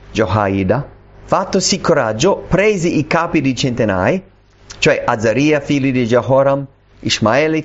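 Male preacher, fairly high voice, reads scripture and explains as he goes, lo-fi. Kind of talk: Bible reading with commentary. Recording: dull lo-fi recording.

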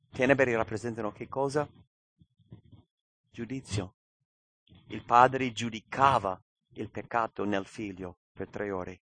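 A man preaching a sermon in an earnest, emphatic way, often asking rhetorical questions. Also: fairly low pitch.

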